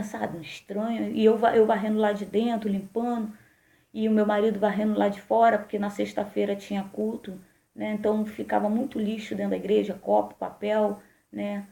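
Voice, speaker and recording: A woman's voice: mid-range voice, vocal fry, dark tone. A woman pastor with a Brazilian Portuguese accent, telling a personal testimony in a sermon with emotional, conversational storytelling. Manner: emotional storytelling, addresses listeners as brothers. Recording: echoey room.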